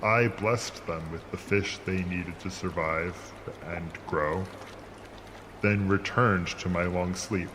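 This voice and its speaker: Deep, grand ancient sea monster. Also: male voice. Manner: grand, stern, formal speech. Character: ancient immortal sea monster, scornful and vengeful guardian. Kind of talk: audio drama acting. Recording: clear watery ambience noise behind voice.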